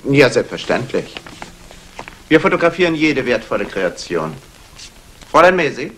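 An actor playing a courteous, self-assured London jeweller in a 1960s German radio crime play, formal in manner. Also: male voice, medium pitch, very animated, moderate pace, a bit bright. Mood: smooth, courteous. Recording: noisy old radio play recording.

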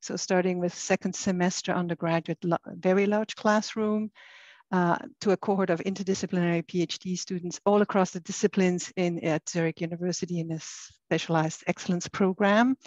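A woman's voice: lowish voice, fairly even intonation, brisk, a little mellow, no echo. A woman with a Swiss accent, a university lecturer speaking earnestly on an online panel and often restarting her phrases. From Switzerland. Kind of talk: panel presentation. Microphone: laptop webcam on a video call. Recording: dull lo-fi video call audio.

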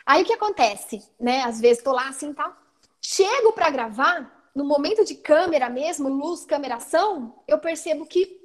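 A Brazilian woman teacher giving an online training talk, explaining in a lively way and often adding "né" to check that she is followed, over a video call. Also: high voice, normal speed. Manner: lively, explanatory, frequent "né" tags.

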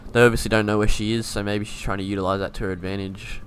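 A man's voice: on the low side, level tone, racing, slight background noise. A young man giving casual gameplay commentary as a video creator, laid-back, thinking aloud and swearing now and then. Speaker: gaming YouTuber.

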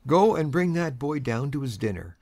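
Brief: woman reader doing a blustery old grandfather, sharp and commanding, lively swooping voice, dry sound. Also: a bass voice, normal speed, no echo, voice pushed down, exaggerated voice. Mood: blustering, gruff. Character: irascible old gentleman, gruff and stern grandfather.

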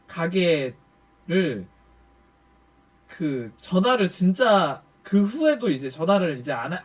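A man telling a personal story on his stream in a casual, animated way, swearing freely and acting out what others said. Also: fairly high pitch, breathy edge. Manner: animated, swears freely, acts out quoted speech. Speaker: YouTuber storyteller.

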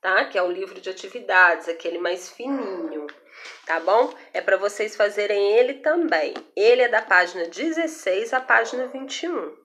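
A woman's voice: mid-range voice, expressive, normal speed, fairly bright tone. A young Brazilian woman teacher explaining a grammar lesson in a recorded video, patiently and with frequent check-ins to her students. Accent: Brazilian Portuguese. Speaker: Portuguese teacher.

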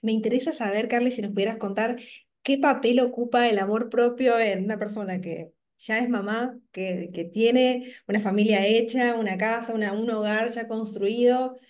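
A woman's voice: a little high, fairly even intonation, normal speed, darkish tone. Thirties woman host, Rioplatense accent, encouraging interviewer, video-call laptop mic. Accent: Rioplatense Spanish. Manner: encouraging, thoughtful questions, fillers like "tipo".

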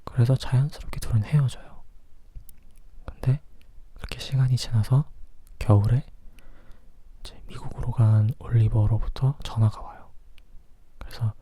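Very soft, dark breathy whisper. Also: medium pitch, steady tone, normal speed, long pauses. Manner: whispering softly, as if leaning in close. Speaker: film review vlogger. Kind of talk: whispered ASMR film review, chatty.

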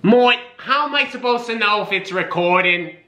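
A man's voice: sits high, animated, moderate pace, pushed and bright. A man playing a fussy, doubtful elderly Jewish grandmother in a comic monologue. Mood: fretful. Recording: roomy kitchen, distant camera mic.

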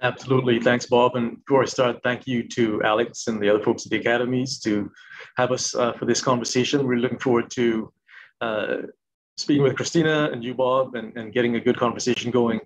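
A middle-aged man from Trinidad and Tobago giving a conversational panel answer, haltingly repeating words, on a video call. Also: mid-range voice, steady tone, slight background noise. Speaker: panelist, coastal policy manager. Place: room at home, indoors. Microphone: laptop video call. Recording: slightly dull video-call audio.

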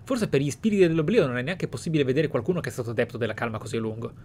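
A man from Italy reading and commenting on a video game in a measured, musing way. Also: mid-range voice, expressive, darkish tone, slightly rough. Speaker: gameplay streamer. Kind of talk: reading game texts aloud and roleplay commentary.

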